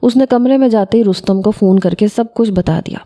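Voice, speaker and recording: A woman's voice: mid-range voice, dark tone. A woman narrating a first-person audio story as a schoolboy.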